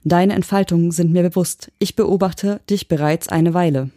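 A possessive house AI, voiced by a woman in an audiobook, speaking with flat, mechanical patience. The tone is mellow and unhurried. The sound is dry and close. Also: low voice, dry recording, natural voice. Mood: cold, devoted. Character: possessive smart-home AI, a dead husband's mind. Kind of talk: audiobook reading.

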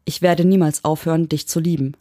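A woman voicing a possessive smart-home AI that holds a dead husband's mind, speaking calmly and without emotion in an audiobook. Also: deep voice, fairly quick, no room sound, studio quality, voice pushed up, close to an everyday voice. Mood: cold, devoted. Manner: emotionless, mechanically patient. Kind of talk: audiobook reading.

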